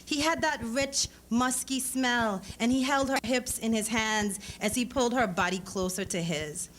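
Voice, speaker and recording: High-voiced woman reading aloud, noisy recording. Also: a little slow, a bit bright. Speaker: author reading a short story at a public event. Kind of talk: dramatic literary reading of narrative prose with acted dialogue. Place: live lecture event before an audience.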